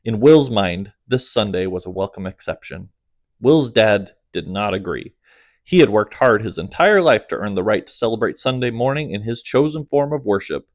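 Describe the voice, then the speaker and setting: A man reads his own comic audiobook in a fairly low voice at a moderate, steady storytelling pace, letting his voice sink at the ends of phrases. The recording is close and dry, with no room sound or echo.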